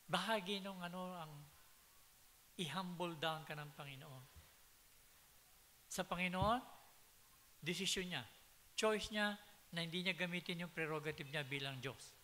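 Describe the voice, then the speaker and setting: Unhurried and pausing often, this pastor's high, bright voice carries a forceful tone. He tells stories in his sermon, slips into English phrases and rises to emphatic peaks, recorded in a church hall with hiss and long reverb.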